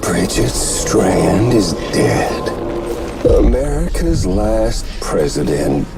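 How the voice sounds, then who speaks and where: A sneering sing-song villain. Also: male voice, sits low, sing-song, gravelly, loud music behind the voice, heavily acted. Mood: taunting. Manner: taunting, drawn-out, sing-song mockery. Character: theatrical sneering male villain, mocking and cruel. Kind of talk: video game cutscene acting.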